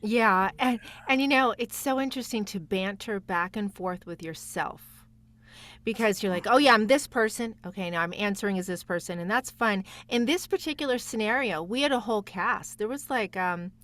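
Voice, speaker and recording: A woman's voice: mid-range voice, moderate pace, a bit bright. A woman speaking as a guest voice actor in a casual interview, enthusiastic and reflective.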